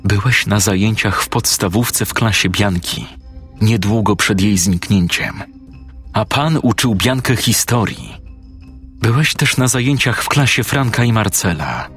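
A man doing a calm, firm woman detective. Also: fairly low pitch, measured pace, faint music behind. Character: determined female police detective, adult.

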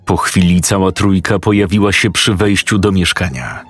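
A man narrating a scripted story in a steady, matter-of-fact way. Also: sits low, normal speed, faint music behind.

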